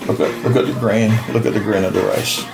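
A man's voice: on the low side, steady tone, quick pace, vocal fry. A man giving a casual home cooking demonstration in his kitchen, repeating himself and affirming with frequent yeses. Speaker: home cooking channel host. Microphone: off-camera, hands only in frame. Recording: loud background music. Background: music.

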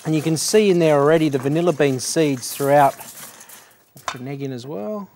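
A man's voice: a little high, fairly quick, a little mellow, slight background noise. A man, a chef host walking through a dessert recipe on a studio kitchen set. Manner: matter-of-fact, step-by-step. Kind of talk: cooking demonstration.

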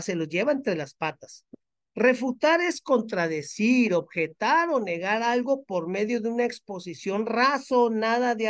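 A man giving mocking, sarcastic commentary as he reads out viewer comments. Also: sits high. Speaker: religion critic commentator.

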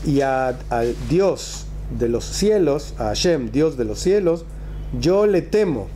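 A man's voice: a little high, expressive, takes it slowly, mellow, a little hiss or hum. A man, a rabbi teaching a religious text in a conversational way, with rhetorical questions and emphatic repetition. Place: small classroom, indoors.

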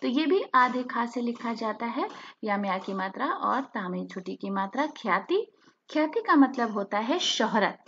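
A woman teaching a language lesson, spelling out words letter by letter in a slow, careful way. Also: a little high, lively intonation, a bit bright, highs cut off, slight background noise.

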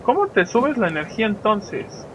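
A man's voice: sits high, sing-song, normal speed, fairly bright tone, a little hiss or hum, low-quality recording. A young man with a Mexican accent giving casual, profane, joking let's play commentary and talking to his viewers as he plays. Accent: Mexican Spanish. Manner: profane, joking, talks to viewers while playing. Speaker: gaming channel host.

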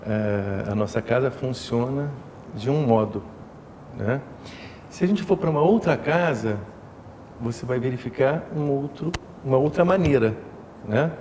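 An umbanda house leader speaks with a mellow, mid-range voice, animated yet measured in pace. He reflects on his faith during an interview, using many fillers and tag questions. The echoey temple room with its altar adds a faint hiss.

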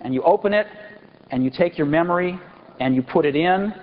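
A man in his forties giving an enthusiastic product launch keynote on a large auditorium stage, pausing for effect and stressing key words. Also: fairly high pitch, animated. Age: 40s. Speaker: company executive presenting a product keynote. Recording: dull lo-fi 1999 event recording with faint hiss.

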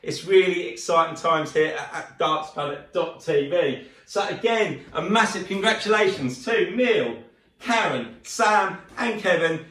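Croaky, excited man in a roomy living room. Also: sits high. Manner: enthusiastic, chatty, gestures while talking. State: slightly croaky from a cough. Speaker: channel host. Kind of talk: upbeat announcement to viewers. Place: living room at home, indoors. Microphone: camera across the room. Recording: roomy echo from a distant camera mic.

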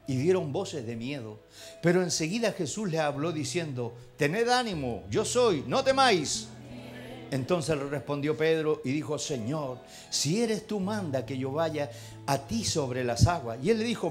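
A man's voice: fairly high pitch, darkish tone. Chilean preacher man, homely and fervent. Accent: Chilean Spanish. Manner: folksy, addresses congregation as brother; rising fervent prayer. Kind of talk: church sermon. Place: church hall.

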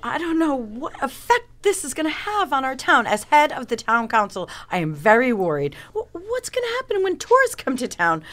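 Casting: woman as insistent, worried town council chief; forceful and animated, improvised radio drama. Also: sits high, moderate pace, few pauses.

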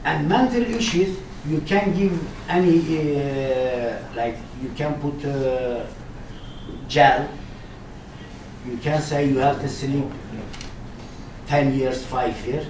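Man, Kurdish accent, broken halting English, meeting question, echoey noisy room. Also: fairly high pitch, steady tone, a little mellow. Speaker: community journalist asking questions. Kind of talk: question from the floor at a community meeting. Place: meeting room, seated around tables. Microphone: distant camera microphone. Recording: roomy, distant mic, noisy room.

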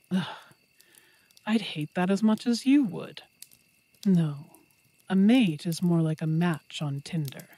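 A woman's voice: lowish voice, darkish tone. Woman acting as werewolf girlfriend, playful, possessive, affectionate, teasing, intimate audio roleplay. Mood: playful, fond.

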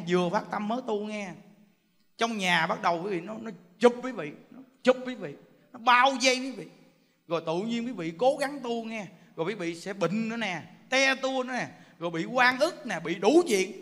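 A man's voice: sits high, expressive, moderate pace, fairly bright tone. A man with a Southern Vietnamese accent preaching a Buddhist sermon, emphatic and often checking that listeners understand. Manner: emphatic, keeps asking listeners "understand? see?". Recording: long hall reverb.

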